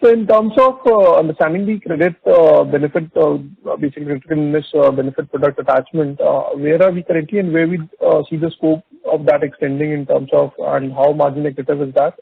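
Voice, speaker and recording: A gravelly, husky man phones in as an analyst. He puts his questions in a halting, wordy way over a tinny telephone line. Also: a little high, steady tone, no room sound. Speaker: analyst caller. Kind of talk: asking questions on earnings call.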